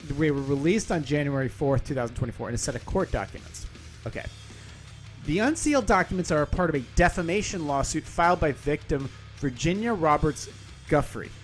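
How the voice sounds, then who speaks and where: A man hosting a podcast, reading a news article aloud with casual, profane, rambling asides and frequent self-corrections. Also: fairly high pitch. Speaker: podcast host.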